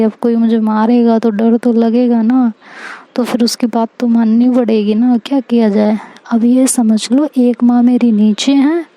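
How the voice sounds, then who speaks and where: A chatty woman tells her own story with playful drama, her voice pitched fairly high. The tone is mellow and soft rather than bright. She leans into each twist of the tale. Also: low-quality recording. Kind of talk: casual first-person story narration.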